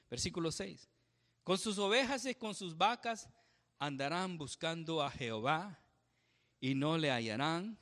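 Man, pastor, bright higher voice, long hall reverb, conversational sermon, keeps asking the congregation questions. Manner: conversational, asks the congregation questions with frequent tag "¿verdad?"; laughs at his own slips. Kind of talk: Bible study sermon.

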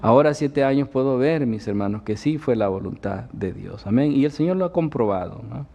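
A man's voice: mid-range voice, expressive, fairly quick, vocal fry, mellow. A man giving a conversational sermon as pastor, often checking in with his listeners. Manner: conversational preaching with frequent tag questions.

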